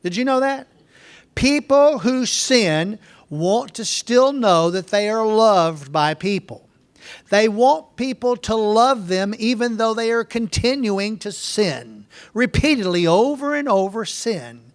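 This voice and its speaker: Folksy bible teacher guy, slow and deliberate, repeats himself to drive it home. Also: high voice, lively intonation. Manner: folksy, earnest, repeats key points. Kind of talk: verse-by-verse Bible lesson.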